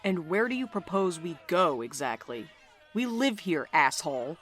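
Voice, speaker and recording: A woman's voice: lowish voice, sing-song, normal speed, a bit bright. A woman playing a blunt, sarcastic courier in an audio drama, with a dry manner. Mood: defiant, dry. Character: sardonic, blunt, foul-mouthed courier.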